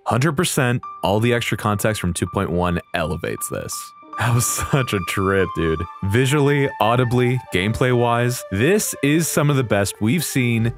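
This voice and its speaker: A young man giving casual, excitable reaction commentary on game videos, slangy and sweary. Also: medium pitch. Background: faint music.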